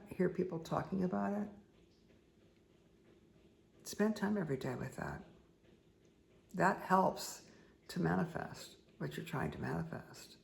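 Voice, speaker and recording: A middle-aged woman with a hoarse, croaky voice, slowly reading cards and giving soft, repetitive spiritual guidance. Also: on the low side, slight background noise. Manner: slow, soothing, repetitive guidance with asides. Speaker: spiritual reader and meditation guide. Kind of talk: casual spoken card reading.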